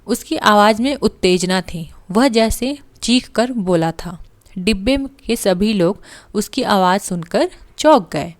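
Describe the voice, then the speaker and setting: A woman literature teacher reading a story aloud and pausing to explain it to students. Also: medium pitch, expressive. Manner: slow, deliberate, pauses to explain.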